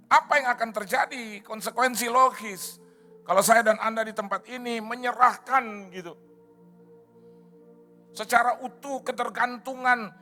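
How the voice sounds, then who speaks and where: A middle-aged man preaching a sermon in a church, animated and dramatic, swinging his voice up and down and slipping English phrases into his talk. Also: extremely high pitch. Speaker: pastor.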